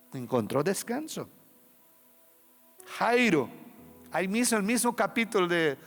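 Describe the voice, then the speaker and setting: A male pastor delivering an impassioned sermon with emphatic lines and dramatic pauses, in a reverberant church hall with faint music behind. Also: sits high, gravelly, fairly bright tone.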